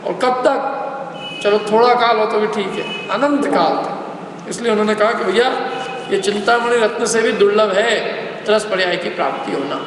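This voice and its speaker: A man's voice: high voice, normal speed, fairly bright tone. A man giving a religious lecture to a class, explaining step by step and asking his listeners questions. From India. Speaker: lecturer on scripture. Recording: echoey hall, faint background noise.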